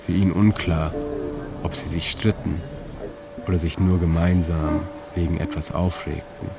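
A man reading his own literary narration in a calm, measured way, with slow deliberate pauses. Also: deep voice, creaky. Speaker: narrator and author. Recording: narration over music.

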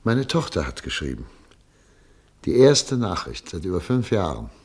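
Deep-voiced, weary, dignified émigré doctor. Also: male voice, very animated, darkish tone, husky, exaggerated voice. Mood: wistful. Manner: grave, deliberate, questioning. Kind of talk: German radio play acting.

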